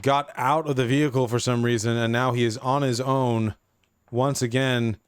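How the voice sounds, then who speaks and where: A man with a hoarse, tiring voice, chatting casually as he comments on a shooter match. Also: mid-range voice, fairly even intonation, moderate pace. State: voice getting hoarse. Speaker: gameplay commentator.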